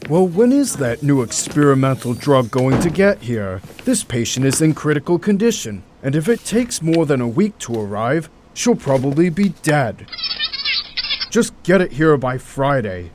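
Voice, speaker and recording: Busy doctor, lively pitch, noisy recording acted by a man. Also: moderate pace. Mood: busy, tired. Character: busy, worn-down male hospital doctor. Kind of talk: amateur audio drama acting.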